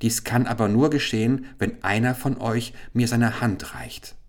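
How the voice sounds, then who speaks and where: Eine klagende verzauberte Eulenprinzessin, von einem Mann gelesen. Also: male voice, medium pitch, fairly even intonation, unhurried, voice pushed up, lightly acted. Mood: plaintive. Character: sorrowful enchanted owl princess, young woman. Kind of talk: audiobook fairy tale reading.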